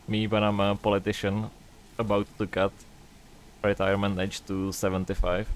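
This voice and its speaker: Man, streamer, casual gaming chat, joking, sarcastic, lowish voice, faint noise. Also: completely flat delivery, moderate pace.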